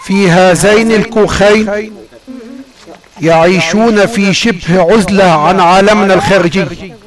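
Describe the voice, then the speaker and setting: A man narrates a travel documentary. His voice sits notably high, and his phrasing is formal and measured, like a prepared script. A clear bed of many background voices and sounds runs behind him. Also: steady tone, crowd noise, rough recording. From Egypt.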